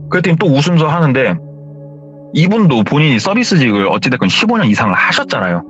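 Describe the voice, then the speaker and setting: A man's voice: medium pitch, fairly bright tone. A man narrating a horror story in a conversational, dramatic retelling style. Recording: slightly dull sound with faint music.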